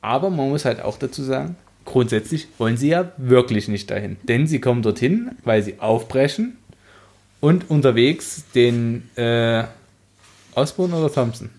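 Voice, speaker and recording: A man's voice: medium pitch, lively intonation, normal speed, a little mellow. A man co-hosting a podcast, talking through a book in a conversational, explanatory way. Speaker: podcast co-host. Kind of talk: casual book discussion.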